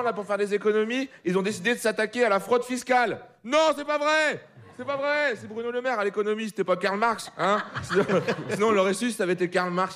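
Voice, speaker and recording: A high-voiced man doing a comic radio column in front of a live audience. He gets rowdy, swears freely and keeps laughing at his own jokes. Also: fairly bright tone, a little hiss or hum. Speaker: comedy columnist.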